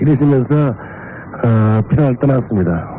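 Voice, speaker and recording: Noticeable background noise sits behind a man talking with ordinary pitch variation. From South Korea, Chilgok (Waegwan), North Gyeongsang. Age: 50s. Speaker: local agricultural cooperative manager. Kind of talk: interview testimony. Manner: hesitant, many fillers.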